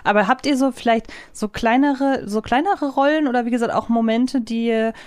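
A woman's voice: fairly high pitch, moderate pace, clear, resonant tone, no room sound. Woman podcast co-host, close dry sound. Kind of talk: casual podcast conversation.

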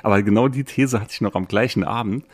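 A man's voice: lowish voice, fast, dry recording. A man chatting casually and colloquially as a podcast host. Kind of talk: casual chat.

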